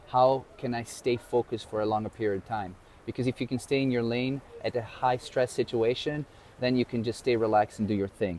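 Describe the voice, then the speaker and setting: A man at medium pitch in an American accent, fairly quick in pace, with fairly even intonation. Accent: American-sounding English. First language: not English. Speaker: swimmer and swim coach. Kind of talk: casual Q&A chat.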